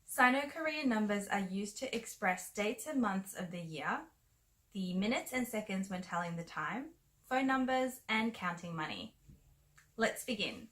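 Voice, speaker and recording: A young woman co-hosting a language lesson, calling out each prompt in a plain, unhurried way, indoors on camera. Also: medium pitch, expressive, a bit bright. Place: bright indoor room, seated.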